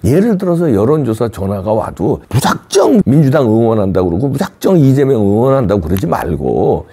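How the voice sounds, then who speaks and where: Husky, animated male political commentator. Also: mid-range voice, a little fast. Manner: emphatic, acts out quoted voices; insulting, scolding.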